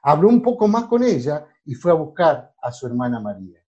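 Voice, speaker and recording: A male preacher delivers a sermon in a mellow, somewhat high voice that swings widely in pitch. He reads scripture aloud, calls out verse numbers to the congregation, and stresses points with emphatic exclamations. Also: sing-song, fairly quick, dull audio. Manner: emphatic, exclaiming, asks listeners to read verses. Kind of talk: sermon with Bible reading.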